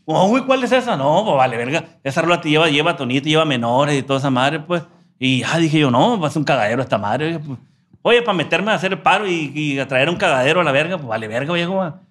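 A man's voice: medium pitch, fairly bright tone. A man from telling a story in a casual interview, slangy and profane. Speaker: musician guest.

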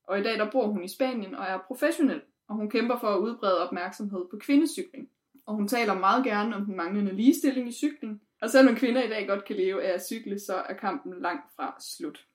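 Woman host presenting from notes. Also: medium pitch. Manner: reading from notes with fillers. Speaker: podcast host. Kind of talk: scripted presenting.

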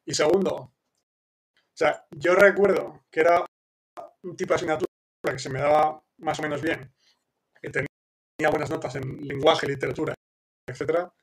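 A man's voice: a little high, steady tone, normal speed, vocal fry, long pauses, slightly rough. A man who speaks Spanish as his first language, hosting a live question-and-answer session, thinking aloud with many restarts and fillers and checking in with his listeners.

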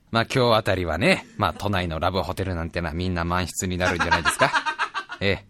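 A man's voice: low voice, brisk, heavy background noise. A man hosting a podcast, telling a comic story in chat and acting out the people in it. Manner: animated, acts out voices of people in his stories. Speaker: podcast host. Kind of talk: casual comedic storytelling monologue.

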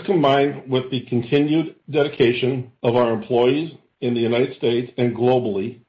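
A man, a company chief executive, reads a scripted earnings call presentation in a formal, measured way with deliberate phrase breaks. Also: medium pitch. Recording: dull, echoey conference call audio.

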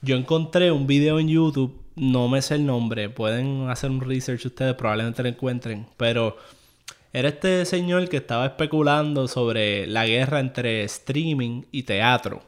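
A podcast host with a mid-range voice chats in a loose, easygoing, unhurried way. He wanders from point to point, dropping English phrases into his speech along the way.

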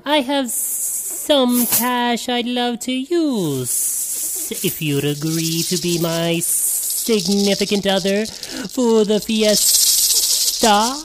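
Woman as a very slow, shady snake suitor. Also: medium pitch, fairly even intonation, background noise. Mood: slyly courting. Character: sketchy, slithering rich male snake suitor. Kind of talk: audio theatre acting. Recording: loud rattling behind the voice.

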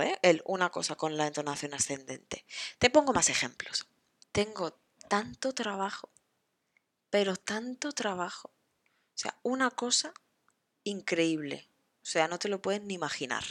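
Expressive woman, low-pitched voice. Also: no room sound, clean studio sound. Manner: chatty and expressive, with lively laughs. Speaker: podcast host and Spanish teacher. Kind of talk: casual podcast lesson.

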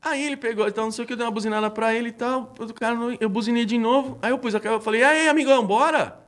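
Fast-talking animated São man. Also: extremely high pitch. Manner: animated, swearing, acts out quoted exchanges. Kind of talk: casual chat, storytelling anecdotes.

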